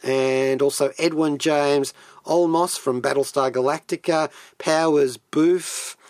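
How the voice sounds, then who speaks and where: A man's voice: fairly high pitch, no echo. A man hosting a radio show alone, chatting enthusiastically in a geeky, rambling way with frequent asides. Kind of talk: chatty solo radio monologue. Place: radio studio.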